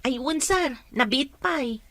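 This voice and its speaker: A woman's voice: high voice, animated, a little slow, fairly bright tone, no echo. A Filipino woman playing a gossipy, resentful house helper in a radio drama, grumbling as she talks. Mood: evasive, deferential. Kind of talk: Ilocano radio drama acting.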